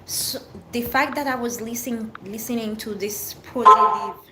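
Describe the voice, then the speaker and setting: A woman's voice: on the high side, steady tone, measured pace, noisy background. A middle-aged woman from Haiti with a French accent, chatting openly and earnestly on a livestream, answering viewers in short, restarting phrases. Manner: open, earnest, speaks in short fragments with restarts. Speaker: livestream host.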